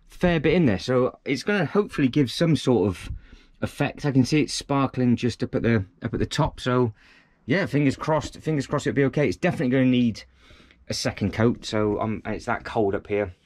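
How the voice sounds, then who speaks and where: A man's voice: medium pitch, fairly quick, darkish tone. A man chatting casually while painting and tidying his hobby room, repeating himself and joking at his own expense. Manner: chatty, self-deprecating, lots of fillers and repeats. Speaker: vlogger. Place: indoor hobby room at home.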